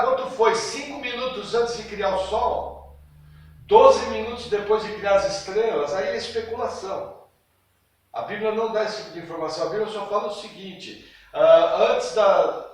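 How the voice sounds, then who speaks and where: A man teaching a Bible class in a conversational way, asking the class questions and acting out little scenes. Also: high-pitched. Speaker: Bible school teacher and preacher. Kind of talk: Sunday school teaching with class discussion. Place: church hall. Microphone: distant room mic. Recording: very echoey hall, voice from far off.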